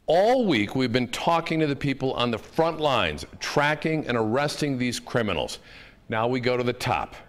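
A man's voice: mid-range voice, a bit bright. An older man with an American accent presenting scripted news as an anchor in a television newsroom. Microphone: lapel mic.

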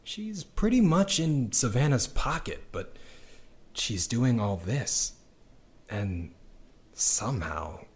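A wry, weary young underground dweller in a sci-fi audio drama. He reflects slowly and haltingly, as if confiding in someone. His mid-pitched voice moves widely up and down through the intimate monologue. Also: darkish tone. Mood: bitter, puzzled. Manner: reflective, halting, with sardonic little laughs and sighs.

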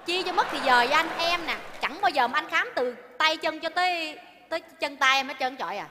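A woman's voice: high-pitched, brisk, background noise, close to an everyday voice. An actress playing a nagging restaurant-owner wife in a stage comedy sketch, scolding her husband theatrically. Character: bossy nagging Vietnamese-American restaurant wife. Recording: reverberant stage hall.

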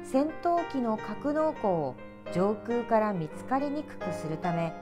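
A middle-aged woman presenter speaking to children in clear, polite, measured announcer diction, as in a picture-book read-aloud. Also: on the high side, sing-song, over music. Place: small indoor room with sofa.

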